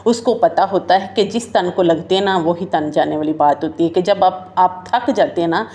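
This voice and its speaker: A woman's voice: fairly low pitch, darkish tone. A woman giving a casual, heartfelt talk straight to her listeners, whom she calls her sisters and friends. She speaks in a loose conversational flow and often leans on the filler "jo hai na". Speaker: motivational talk host.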